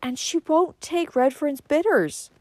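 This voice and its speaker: A woman's voice: high-pitched, a little slow, darkish tone, dry recording, pitched above the performer's own voice. A woman voicing a worried, gossipy female cousin in a storybook, moaning and whimpering her words.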